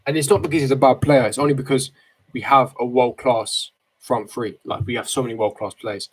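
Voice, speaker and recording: A young man of about eighteen talks casually to a livestream chat at a mid pitch. He is slangy and opinionated, often repeating a phrase to press his point. The voice is picked up by a desk microphone in a bedroom. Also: fairly even intonation, fairly quick, slightly rough, poor audio. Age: 18, late teens. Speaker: football fan streamer. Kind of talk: casual livestream chat, reading and answering viewer comments. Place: small bedroom, indoors. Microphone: desk microphone close in front.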